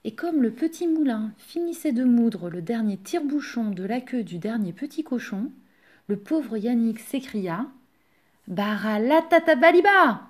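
Femme, conteuse de bibliothèque, expressive, voix douce, conte. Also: female voice, a little high, normal speed. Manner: expressive, addressing young listeners. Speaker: library storyteller. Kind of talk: storybook reading aloud.

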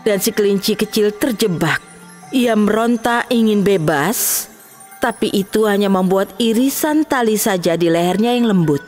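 A woman narrating a children's storybook cartoon with clear, expressive delivery. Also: mid-range voice, normal speed, faint music behind.

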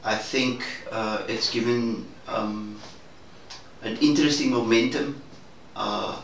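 Distant, echoey man, measured. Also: mid-range voice, fairly bright tone. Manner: measured, hesitant, formal and appreciative phrasing. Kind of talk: reflective debrief conversation. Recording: roomy, distant mic, faint noise.

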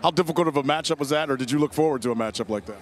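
A man's voice: fairly high pitch, racing, a little hiss or hum. A middle-aged American man interviewing as a sideline sports reporter after a game, on a handheld mic in an arena. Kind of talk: postgame TV interview. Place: on the court of a large indoor arena. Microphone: handheld reporter microphone.

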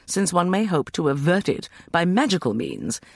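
A man voicing a brisk, formal, self-assured older woman in an audiobook. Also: high voice, wildly swooping pitch, creaky, dry recording, clean studio sound, voice pushed up, heavily acted.

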